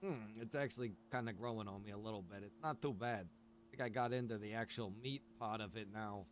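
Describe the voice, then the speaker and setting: Playing a survival roleplay game on a livestream, a man keeps up casual chatter, joking easily and laughing often. He talks fairly quickly with a fairly low pitch, and there's slight background noise.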